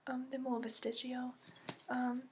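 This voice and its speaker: A woman playing a gentle instructor of dragon companions in a soft-spoken ASMR roleplay with a put-on accent, often near a whisper, explaining hesitantly with many ums. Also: high-pitched, little pitch movement, unhurried, a little hiss or hum. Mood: patient, earnest. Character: gentle female instructor briefing new dragon companion recruit.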